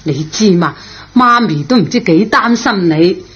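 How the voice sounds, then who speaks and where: A woman's voice: mid-range voice, expressive, a little slow, fairly bright tone. A woman playing a doting, fussing middle-aged mother in a radio drama. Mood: doting, worried. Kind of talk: Cantonese radio drama acting. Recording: dull, lo-fi old radio recording.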